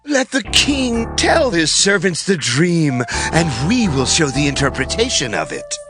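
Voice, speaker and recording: Deferential ancient court sage: formal pleading, big pitch swings, scripture drama with clear music underneath. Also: male voice, very animated, unhurried.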